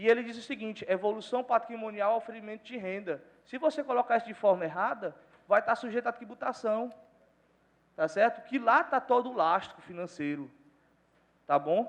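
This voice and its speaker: Extremely high in pitch, a man speaks at a fairly quick pace with lively intonation, big swings in loudness, and long, frequent pauses. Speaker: accountant. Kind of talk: lecture. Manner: fast; animated.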